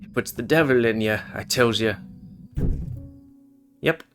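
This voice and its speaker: A man's voice: medium pitch, a little slow, fairly bright tone, faint music behind. A man giving casual, rambling commentary over a video game, with chatty asides.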